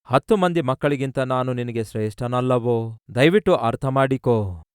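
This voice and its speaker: A preacher voicing a gentle consoling husband. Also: male voice, mid-range voice, lively intonation, normal speed, smooth, dry recording, clean studio sound, lightly acted. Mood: tender consoling. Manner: tender, consoling questions. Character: gentle comforting biblical husband, adult man. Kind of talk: sermon storytelling.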